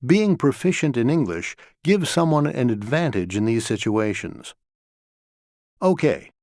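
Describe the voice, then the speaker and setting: A man acting as a lecturer, giving a scripted class talk in a clear, measured way, recorded in a studio. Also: mid-range voice, big pitch swings, a little mellow, dry recording. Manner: measured, clear explanatory delivery. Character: male lecturer talking to a class.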